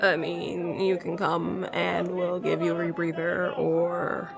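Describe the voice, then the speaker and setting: A woman's voice: lowish voice, completely flat delivery, takes it slowly, gravelly, crowd noise. A woman voicing a blunt, laid-back young embassy guard with a casual, slangy way of talking in an audio drama. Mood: matter-of-fact.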